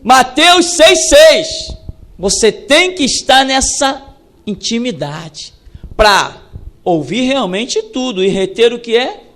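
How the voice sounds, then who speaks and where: High, bright-voiced Brazilian preacher. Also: male voice, animated, slow pace. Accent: Brazilian Portuguese. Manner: emphatic, repetitive, storytelling preacher. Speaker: pastor. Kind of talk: fiery sermon.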